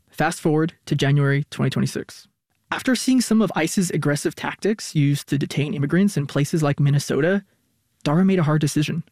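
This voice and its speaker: A man narrating a radio news feature as reporter, in a measured, scripted storytelling voice. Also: on the high side, a little mellow, no room sound, studio quality.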